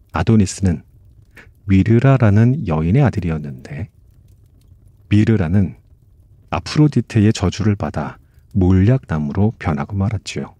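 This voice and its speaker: A man gently narrating myths as a soft-spoken bedtime storyteller, in polite narrative speech. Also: sits low, dry recording.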